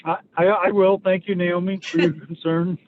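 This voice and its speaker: A man's voice: high-pitched, level tone, moderate pace, slight background noise. A man joining a meeting from a moving car, brief and plain-spoken, chuckling now and then. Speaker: meeting participant. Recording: tinny phone-like line from a car.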